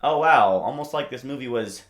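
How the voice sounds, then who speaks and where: A woman's voice: extremely low pitch, expressive, brisk. A young adult woman hosting a video essay, narrating her opinions in a casual, slangy, emphatic way with mild swearing and dry asides. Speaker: host of a video essay channel. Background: background music.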